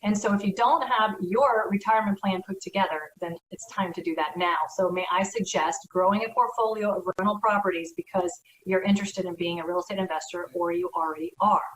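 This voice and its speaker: A woman's voice: on the low side, brisk, hardly any pauses. A woman, a real estate broker, giving earnest, conversational advice in an educational talk. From United States. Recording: echoey room, from far off.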